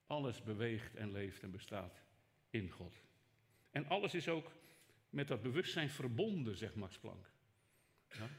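A man preaching a sermon as pastor, emphatic and rhetorical, swinging from raised to hushed delivery and speaking straight to his listeners. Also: medium pitch. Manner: rhetorical, addresses listeners directly.

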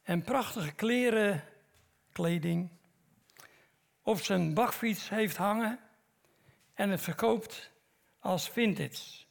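Middle-aged male preacher, gravelly voice, unhurried dramatic sermon storytelling. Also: sits high. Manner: slow, dramatic storytelling with long pauses.

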